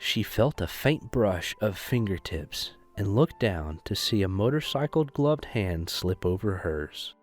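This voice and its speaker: A man's voice: on the low side, expressive, unhurried, hardly any pauses. A man reading scripted narration for an audio drama. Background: music.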